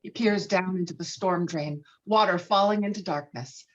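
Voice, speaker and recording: A woman's voice: fairly low pitch, normal speed, slight background noise. A woman reading screenplay stage directions as dramatic scripted narration. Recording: slightly dull, lo-fi microphone.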